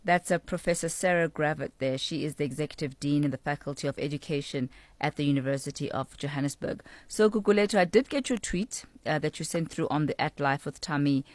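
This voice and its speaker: Radio talk host, mid pitch, dry close studio mic, conversational. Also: a little fast, hardly any pauses, dry recording. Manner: conversational, follows up with questions. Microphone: studio microphone.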